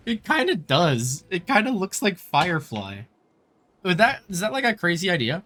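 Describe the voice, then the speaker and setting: Animated, casual game streamer. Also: mid-range voice, a little slow. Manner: informal, expressive, swears freely. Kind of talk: casual live gameplay commentary. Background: game music.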